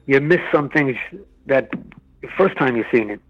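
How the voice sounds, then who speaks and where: A man's voice: medium pitch, expressive, moderate pace, dry recording, phone-quality sound. A man co-hosting a podcast who throws in dry, sarcastic comments during casual chat. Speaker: podcast co-host.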